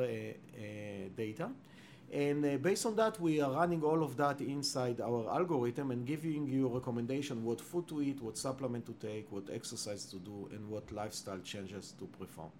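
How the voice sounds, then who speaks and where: Israeli-accented man, halting with fillers. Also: medium pitch, darkish tone, a little hiss or hum. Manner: halting, many "uh" fillers, non-native grammar. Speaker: company founder and chief science officer. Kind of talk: interview answers.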